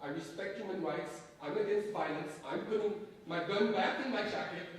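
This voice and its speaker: A man's voice: high voice, normal speed, close to an everyday voice. An actor playing a fanatical young gunman in a dramatic staged reading, mock-polite and bullying. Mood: mock-polite, tense. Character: fanatical young male gunman menacing a professor. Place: theatre space at a staged reading. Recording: echoey hall, distant mic, faint noise.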